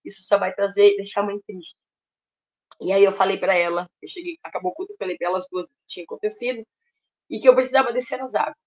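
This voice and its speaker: A woman's voice: medium pitch, steady tone, fast talker, dull audio. A Brazilian woman telling an emotional personal testimony at a ministry, talking straight to her listeners. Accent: Brazilian Portuguese. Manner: emotional, addresses listeners directly as "gente".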